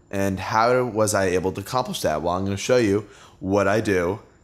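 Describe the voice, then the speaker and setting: At a fairly quick pace, a man speaks in a fairly low pitch with fairly even intonation. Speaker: health tips vlogger. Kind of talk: tutorial. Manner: casual. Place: home room.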